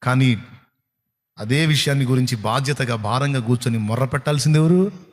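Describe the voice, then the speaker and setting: A man preaching a sermon at a night prayer service, asking rhetorical questions and swinging his pitch widely for emphasis. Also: brisk. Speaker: pastor. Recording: long hall reverb.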